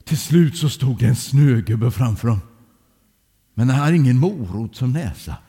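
A man telling a children's story aloud in a lively way, speaking directly to young listeners. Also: medium pitch, breathy edge, long reverb tail.

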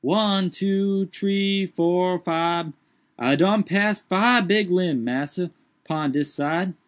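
A man's voice: high-pitched, drawn-out words, voice pushed up. A man voicing a fretful old manservant, speaking in a thick old-fashioned dialect in a strained, raised voice. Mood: calling down. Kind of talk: audiobook character voice.

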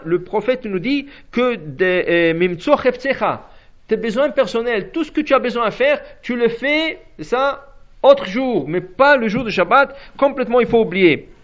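A man's voice: sits high, a bit bright, muffled recording. A man teaching a spoken religious lesson, explaining step by step, restarting phrases and asking rhetorical questions.

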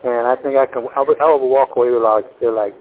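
A man in his sixties selling his home, talking on a phone call in a halting, rambling way full of fillers and restarts. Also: medium pitch, fairly even intonation, a little hiss or hum. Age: 60s. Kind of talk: casual phone conversation. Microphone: telephone. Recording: tinny phone line.

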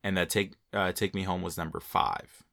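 A young man co-hosting a casual podcast, reading off facts in a relaxed, joking way, with a slight Mexican accent. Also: sits low, normal speed, creaky. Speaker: podcast co-host. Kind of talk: casual chat.

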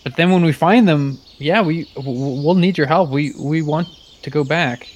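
A man player answers in halting bursts, restarting his words. His voice sits mid-range. There is faint noise behind him. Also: fairly high pitch. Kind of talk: casual tabletop chat.

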